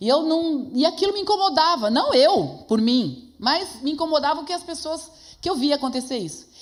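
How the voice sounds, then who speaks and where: A woman with a northeastern Brazilian accent speaks in a high pitch with lively intonation. Room echo is audible. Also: moderate pace. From Northeast Brazil. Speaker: preacher. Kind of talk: sermon.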